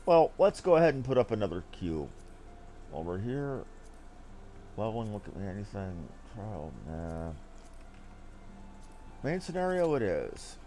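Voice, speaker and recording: A man's voice: lowish voice, sing-song, unhurried, pauses often, mellow, a little hiss or hum. A man giving casual gameplay commentary as a streamer, musing aloud with playful asides. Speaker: game streamer.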